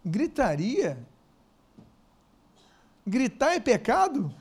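A man preaching a sermon in lively style, asking the congregation questions and slowing down for emphasis. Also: extremely high pitch, breathy edge. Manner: animated, with loud bursts and slowed emphasis.

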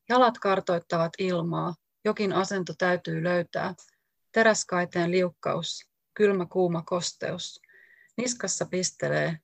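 Woman author, low and gravelly, gives a poetry reading in measured short phrases, dry close sound. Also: no room sound. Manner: slow, deliberate recitation of short lines. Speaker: author reading her own work.

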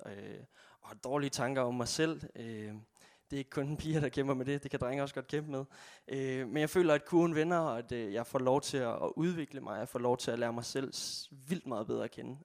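Young man from Jutland, twenties, earnest halting church testimony, middle-range voice. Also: mid-range voice. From Jutland, Denmark. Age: 20s. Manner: earnest, halting, with frequent pauses. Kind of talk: personal testimony and closing prayer.

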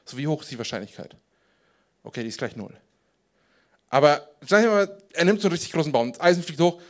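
A man preaching a casual, animated sermon as pastor, acting out voices and dropping to quiet, intense prayer tones. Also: a little high, quick pace.

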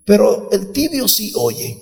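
A man's voice: sits high, huge pitch swings, slow pace, creaky. A man preaching an informal sermon, talking conversationally and calling listeners brother. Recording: echoey hall, faint music behind.

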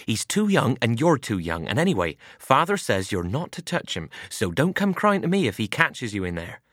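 A man reading aloud and voicing a worried, weary farm mother who speaks softly and reprovingly. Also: medium pitch, big pitch swings, moderate pace, no echo, studio quality. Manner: soft, reproving.

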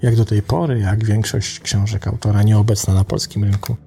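A male podcast host reads a short excerpt in a calm, unhurried manner. His voice is gravelly. Faint music plays beneath him. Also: on the low side.

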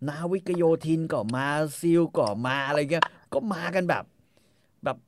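A man chatting casually as co-host about a documentary, animated and quick to act out what people said in coarse slang. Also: fairly high pitch, noisy background. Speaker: podcast co-host. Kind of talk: casual film review chat.

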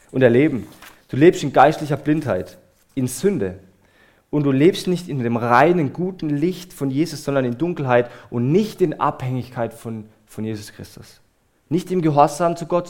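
A man's voice: on the high side, darkish tone. Earnest male preacher delivering a sermon. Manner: earnest, emphatic, addresses listeners directly.

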